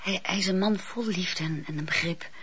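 An actress playing a passionate, earnest wife with an emotional, halting manner in a radio play. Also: female voice, on the low side, fairly bright tone, breathy edge. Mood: pleading. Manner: emotional, halting when pressed. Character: passionate, earnest wife pleading with her husband. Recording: dull lo-fi radio play recording.

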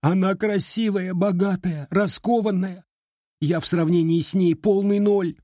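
A man's voice: high-pitched, steady tone, unhurried, warm tone, dry recording, studio quality, pitched above the performer's own voice. A man voicing a tearful, heartbroken young woman who speaks in a whiny, pleading way while crying. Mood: despairing.

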